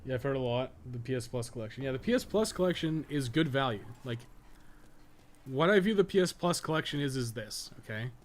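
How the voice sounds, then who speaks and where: A man's voice: medium pitch, animated, brisk. A man giving casual, rambling livestream commentary while he plays a game, blunt and slangy with some swearing. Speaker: game livestreamer and podcast co-host.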